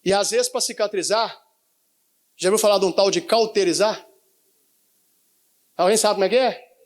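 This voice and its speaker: Male pastor, high-pitched, live sermon, call-and-response with the congregation. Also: moderate pace. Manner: prompts the congregation to finish his sentences. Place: church in front of a congregation.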